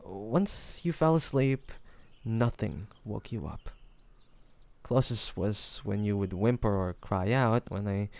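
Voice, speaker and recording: A man playing a devoted young man, a tender best friend in an intimate fantasy audio roleplay, speaking gently and haltingly with sighs and pauses. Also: fairly low pitch, expressive, vocal fry, dry recording, full character voice. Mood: tender, reassuring.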